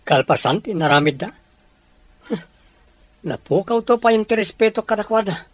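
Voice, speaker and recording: A man acting as a hurt, proud young man in an amateur audio drama, with a husky voice. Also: high-pitched, lively intonation, normal speed, no echo. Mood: bitter, hurt.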